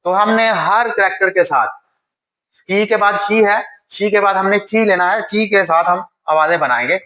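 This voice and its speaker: A high, bright man's voice with a Pakistani Urdu accent, explaining a Japanese writing lesson step by step. He talks patiently, like a teacher at a whiteboard. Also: normal speed, poor audio.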